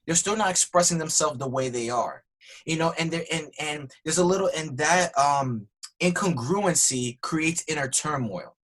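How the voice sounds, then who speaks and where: Male podcast guest, husky and slightly high-pitched, earnest and lively. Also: normal speed. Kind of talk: conversational interview.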